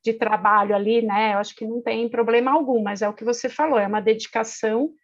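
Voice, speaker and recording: A woman's voice: a little high, steady tone, fast talker. A woman with a Brazilian accent hosting a podcast in a conversational interview style. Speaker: podcast host. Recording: dull, lo-fi audio.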